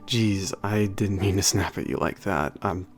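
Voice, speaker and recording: A man playing a big, burly, soft-hearted werewolf maintenance trainer in an ASMR roleplay, talking to the listener in a halting, casual, sweary and earnest way. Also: sits low, faint music behind. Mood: apologetic, encouraging. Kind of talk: ASMR roleplay audio drama, spoken to the listener.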